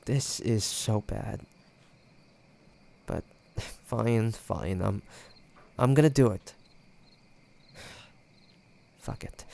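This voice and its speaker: Casting: male actor as teasing young ex in intimate audio roleplay; swooping intonation, unhurried delivery, casual banter. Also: medium pitch, vocal fry, darkish tone, exaggerated voice. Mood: nervous stalling. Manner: teasing, hesitant, casual banter with trailing pauses. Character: playful teasing young man, nostalgic ex-boyfriend in treehouse.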